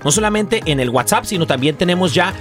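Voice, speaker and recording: A man's voice: high voice, animated, quick pace, fairly bright tone. A man with a Mexican accent co-hosting a casual religious radio show, joking playfully in colloquial slang.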